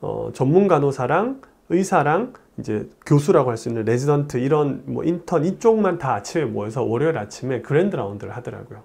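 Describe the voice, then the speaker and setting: Animated gravelly-voiced male urologist. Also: medium pitch, a little fast, hardly any pauses. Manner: animated, gesturing hands, chatty storytelling. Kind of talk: explanatory talk to camera. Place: plain indoor studio.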